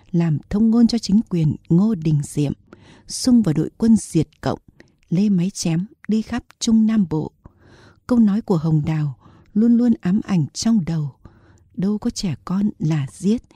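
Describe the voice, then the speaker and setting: A woman reads a historical novel aloud in a steady storytelling manner. Her voice is husky with a very dark, mellow tone, recorded close and dry. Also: lowish voice, dry recording. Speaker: audiobook narrator. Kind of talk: scripted novel narration.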